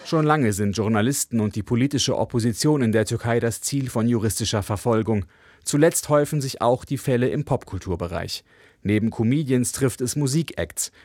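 A male correspondent reads a news report in a steady, measured way. His voice sits at a mid pitch and is recorded close and dry, with no room around it. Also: dry recording. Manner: measured, even news delivery.

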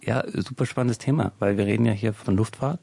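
Gravelly, dark-voiced man explaining. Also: lowish voice, no room sound. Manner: measured, explanatory, thinking aloud. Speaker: guest sociologist. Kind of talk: expert radio interview.

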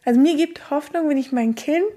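A woman from Afghanistan, a lawyer, speaks in a raised but mellow, dark voice. She is soft and reflective, quietly emotional. Faint music plays under her words. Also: high voice, a little fast. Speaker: lawyer interviewee. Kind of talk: personal interview.

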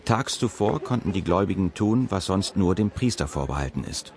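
A man reading documentary narration in a calm, measured way. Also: sits low, crowd noise. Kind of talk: scripted narration.

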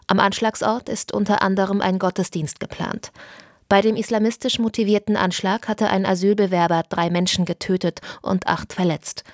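A woman reading the radio news in a measured, even way in a studio. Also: fairly low pitch, dry recording. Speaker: newsreader. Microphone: studio microphone.

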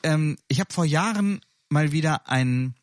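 Relaxed, chatty male moderator. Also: on the high side, a little slow, a crowd in the background. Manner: relaxed, self-deprecating, chatty. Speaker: podcast host and moderator. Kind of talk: casual discussion.

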